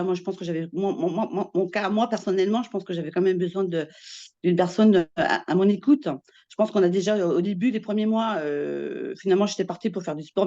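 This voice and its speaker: A woman's voice: on the low side, dark tone, dull audio. A woman in her fifties, from Portugal, giving a casual testimonial about her coaching. She talks hesitantly, with many restarts, and laughs easily. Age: 50s.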